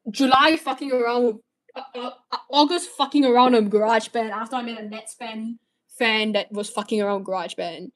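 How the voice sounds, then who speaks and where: A teenage woman from Malaysia chats on her stream, her voice sitting a bit high. She rambles through viewer questions, restarting her sentences and swearing casually. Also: steady tone, fairly quick.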